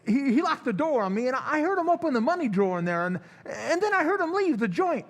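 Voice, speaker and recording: A man's voice: extremely high pitch, very animated, fast, full character voice. A man playing a flustered, eager working-class station attendant in an old-time radio drama, stammering and rambling in slang.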